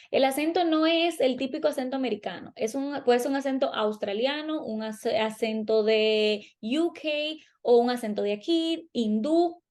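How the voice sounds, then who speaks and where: High-voiced woman coaching exam takers. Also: a little mellow. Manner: instructive, addresses listeners directly with examples. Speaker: podcast co-host. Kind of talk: explaining exam strategy to viewers.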